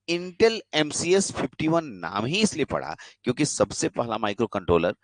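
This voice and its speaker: A man's voice: lowish voice, no room sound. A young man with a Bihari Hindi accent teaching a live online class. He mixes English terms into his Hindi and keeps checking that students follow. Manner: explains in Hindi mixed with English, checks in with frequent questions. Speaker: polytechnic teacher.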